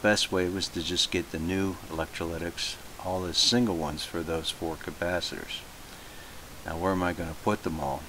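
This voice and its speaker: A man giving a casual, halting how-to narration of his own hobby repair, thinking aloud as he goes. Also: deep voice, rough recording. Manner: halting, thinking aloud with self-posed questions. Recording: hissy home recording, steady noise.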